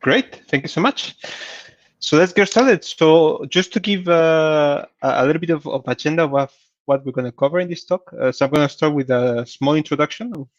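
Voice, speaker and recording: A man's voice: on the high side, moderate pace, no room sound. An eager man presenting on a video call through a headset mic, often repeating small words as he gets going. The audio is dry and a little dull, like a muffled call line. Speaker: guest presenter. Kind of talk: casual tech presentation.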